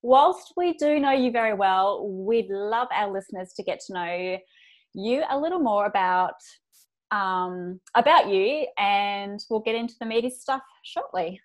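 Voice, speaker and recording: A woman's voice: medium pitch, lively intonation, unhurried. A woman co-hosting a podcast, upbeat and eager, laughing along with her guest. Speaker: podcast co-host. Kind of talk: casual interview chat.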